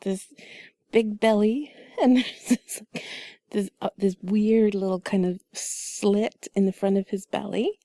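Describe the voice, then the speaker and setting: A woman chatting softly and intimately to a listener close to the mic, playful and rambling, often slipping into a whisper. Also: mid-range voice, steady tone, no echo. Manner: soft and breathy, often dropping into whispers; playful, giggly, rambling and halting. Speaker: intimate audio performer telling stories to the listener. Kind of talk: intimate, cuddly ASMR-like chat. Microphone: close mic, dry sound.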